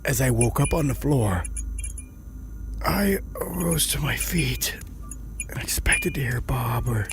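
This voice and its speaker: A man playing a weary, unnerved survivor telling his horror story in the first person, subdued and deliberate. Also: mid-range voice, lively intonation, vocal fry, slight background noise. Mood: subdued unease.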